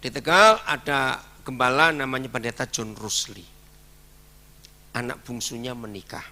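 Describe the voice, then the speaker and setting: A man's voice: mid-range voice, measured pace, bright, forceful tone. A man preaching a sermon with an Indonesian accent, telling a story and acting out the dialogue in it.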